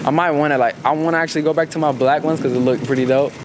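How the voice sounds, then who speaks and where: A man's voice: a little high, steady tone, racing. Chill young guy from ethiopia, slangy rambling chat, noisy outdoor hum behind. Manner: laid-back, slangy, rambling. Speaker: guest. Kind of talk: casual chat.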